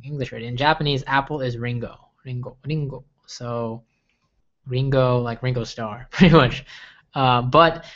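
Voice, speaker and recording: Over dull-sounding audio, a young American livestream host chats through a casual Q&A with his viewers. He rambles, leans on fillers, and keeps restarting his sentences, all in a medium-pitched voice.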